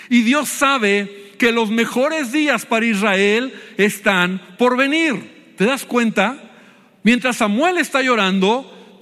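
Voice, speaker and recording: A man's voice: extremely high pitch, a bit bright, long reverb tail. A man with a Mexican Spanish accent preaching a sermon as pastor, addressing his listeners as brother.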